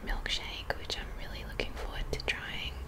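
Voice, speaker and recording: The woman speaks only in a whisper. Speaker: vegan ASMR content creator. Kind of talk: ASMR eating video intro to camera. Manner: whispered. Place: home room.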